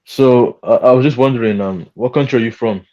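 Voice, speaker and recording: A man's voice: mid-range voice, fairly quick, dark tone. A man chatting casually on a video call, friendly and a little hesitant. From Nigeria. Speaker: panel guest. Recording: lo-fi call audio.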